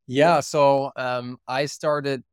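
A man with a German accent speaks as an interview guest, earnest and often restarting his sentences. His voice sits at a middling pitch. The sound is dry and close, with no room echo. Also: steady tone, very slow, clear, resonant tone. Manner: earnest, many restarts and repeated words. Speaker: guest, company co-founder and CEO. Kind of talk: casual interview chat.

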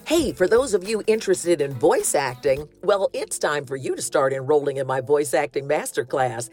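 A woman talk show host with a Southern US accent, a loud voice and a big laugh, talking in a lively, folksy way. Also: sits low, normal speed, faint music behind. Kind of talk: casual chat and promo.

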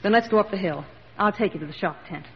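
An actress playing a breezy veteran army nurse. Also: female voice, medium pitch, over loud music, close to an everyday voice. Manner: brisk, breezy. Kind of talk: 1940s radio acting. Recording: dull old radio recording with faint hiss.

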